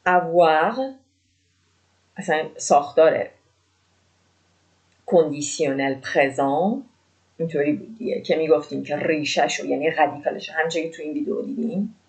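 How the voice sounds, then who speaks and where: A woman's voice: sits low, steady tone, pauses often, a little mellow. A woman who speaks natively, teaching French grammar, spelling endings out letter by letter and repeating key points for emphasis. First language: Persian. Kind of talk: grammar lesson.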